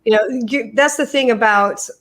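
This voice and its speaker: A woman's voice: fairly high pitch, moderate pace, a bit bright. A middle-aged American woman hosting a live podcast, talking casually and fondly to her daughter, often repeating words as she starts a thought. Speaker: podcast host. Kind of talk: casual live-stream chat.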